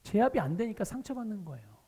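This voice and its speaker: A male pastor preaching a Sunday sermon, animated, asking the congregation rhetorical questions. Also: high-pitched, quick pace, husky, long reverb tail. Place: church sanctuary.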